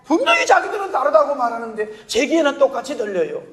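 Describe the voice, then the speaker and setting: A male pastor with a Gyeongsang Korean accent preaching a sermon, telling stories lively and asking the congregation rhetorical questions. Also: extremely high pitch, quick pace. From Gyeongsang region, Korea. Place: church sanctuary. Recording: long church-hall reverb.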